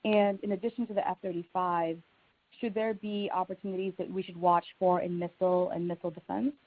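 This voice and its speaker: A woman's voice: on the low side, flat delivery, a little fast, slightly rough. A woman speaking as a financial analyst, putting questions to company executives on an earnings call. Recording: tinny, band-limited phone line.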